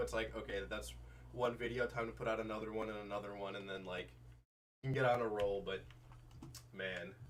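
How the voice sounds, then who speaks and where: Audible room echo follows a man who talks at a fairly quick pace, broken by long, frequent pauses. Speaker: gaming streamer. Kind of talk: live stream gaming chat.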